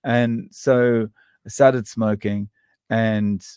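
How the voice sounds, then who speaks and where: A man with an Australian accent, a guest in a casual interview, talking in a halting, thoughtful way with frequent restarts and fillers. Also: lowish voice, steady tone, darkish tone, clear, resonant tone, no echo, studio quality.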